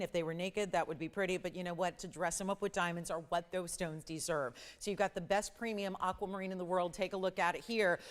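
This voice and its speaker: Sniffly woman selling jewelry live. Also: medium pitch. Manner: chatty, upbeat selling with frequent repetition and price countdowns. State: sniffly, slightly scratchy voice from a cold. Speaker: shopping channel host. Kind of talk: live jewelry sales pitch.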